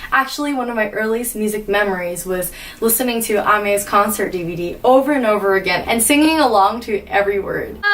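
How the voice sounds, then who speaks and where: A woman talks fairly quickly at a fairly high pitch in a General American accent, with ordinary pitch variation. Music plays in the background and the room echo is audible. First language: Mandarin. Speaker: musician and video creator. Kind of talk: music analysis vlog.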